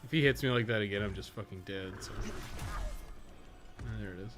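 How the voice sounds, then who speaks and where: A man's voice: lowish voice, a little fast. A man giving casual live video game commentary as a streamer, with a wry, offhand, sarcastic way of talking.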